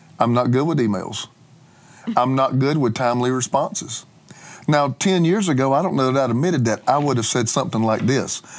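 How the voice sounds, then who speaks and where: Speaking at a fairly quick pace, a man at a medium pitch shows ordinary pitch variation. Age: 50s. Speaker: pastor. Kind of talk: casual chat. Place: studio. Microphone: lapel.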